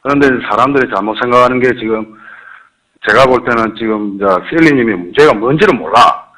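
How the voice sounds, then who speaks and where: A middle-aged man speaking a Korean regional dialect, phoning in to a live stream and rambling haltingly, often repeating himself. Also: medium pitch, bright, forceful tone, low-quality recording. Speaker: caller. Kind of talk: phone-in advice call.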